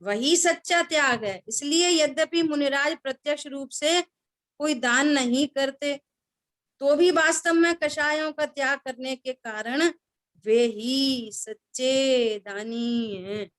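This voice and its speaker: High-voiced woman teaching scripture. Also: measured pace, a bit bright. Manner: questions the listeners, repeats key words. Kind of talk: scripture class talk.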